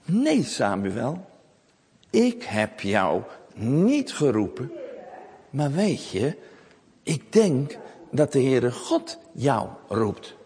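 A man voicing a patient, kindly old male priest in a low, soft voice, in a children's Bible story. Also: huge pitch swings, extremely slow, pauses often, slightly rough, big-room sound, full character voice.

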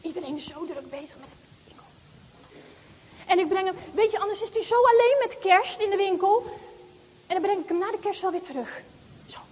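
A woman's voice: very high voice, fairly quick, long pauses, a little mellow. A woman acting as a chatty little schoolgirl who longs for a doll, speaking straight to the audience in a stage monologue, in an echoey hall. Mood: secretive. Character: little schoolgirl, wistful, tempted to take a doll. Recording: echoey hall, faint background noise.

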